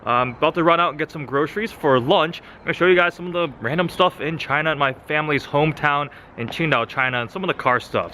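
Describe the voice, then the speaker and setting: Slight background noise comes through a handheld camera mic as a young American car vlogger narrates his casual car-spotting walk through city streets and shops. He's chatty and keeps pointing things out. His voice is medium in pitch, bright, and forceful.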